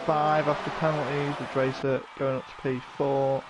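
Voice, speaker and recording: A man's voice: medium pitch, little pitch movement, normal speed, a loud crowd. A man calling a live online race as lead commentator, exclaiming at the action. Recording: noisy stream audio.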